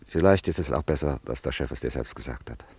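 A man playing a calm, loyal French family friend in a German radio drama, speaking in a measured, consoling way. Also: extremely low pitch, creaky, husky, no room sound, heavily acted. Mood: gently consoling.

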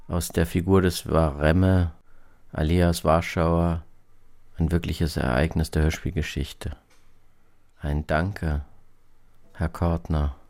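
Very deep, slow, dry-sounding male presenter. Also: a little mellow, no echo. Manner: terse fragments with deliberate pauses. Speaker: presenter of radio drama archive. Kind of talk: scripted commentary.

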